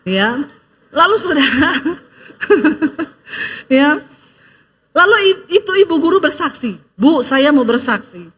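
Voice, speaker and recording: A woman pastor giving a lively sermon, telling stories and acting out the people she quotes, with joking asides. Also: high voice, slow pace, pauses often.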